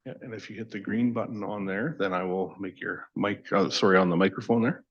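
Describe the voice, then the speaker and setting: A man with a very low voice chairs a meeting. He talks casually and helpfully, giving simple instructions. The recording is somewhat dull and lo-fi. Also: fairly even intonation, a little fast. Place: council meeting room. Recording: dull, band-limited meeting room microphone.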